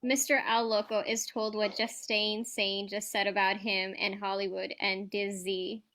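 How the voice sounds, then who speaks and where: A woman's voice: mid-range voice, little pitch movement, measured pace, bright, forceful tone. A woman reading scripted stage directions as narrator of a staged reading.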